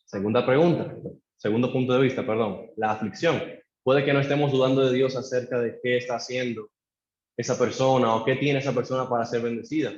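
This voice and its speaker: A man preaches a sermon, voicing a worshipper's pleading questions to God and calling the congregation to repeat after him. His medium-pitched voice rings through an echoey church. The recording is dull and low-fi. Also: fairly even intonation, a little fast, darkish tone. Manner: acts out a believer's pleading prayers to God; leads the congregation in call-and-response.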